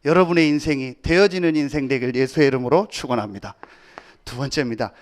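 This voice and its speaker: A man preaching a Sunday sermon as pastor, building to loud emphatic declarations, asking for amens, and dropping into quiet storytelling between them. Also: medium pitch, fast talker.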